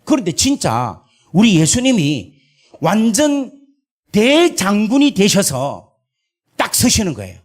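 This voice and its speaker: A middle-aged male pastor with a Gyeongsang Korean accent, preaching an emotional, animated sermon full of repeated fillers. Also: sits high, slow pace.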